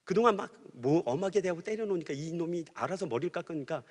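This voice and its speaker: A middle-aged man preaching a sermon through a personal story, swinging from hushed storytelling to loud, animated outbursts. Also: on the high side, fast. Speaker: pastor. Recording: hall reverb.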